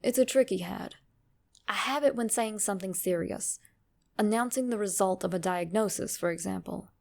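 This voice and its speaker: A woman voicing a grave, measured male physician with formal, deliberate speech in a dramatic horror reading. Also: mid-range voice, creaky, a little mellow, lightly acted. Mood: probing.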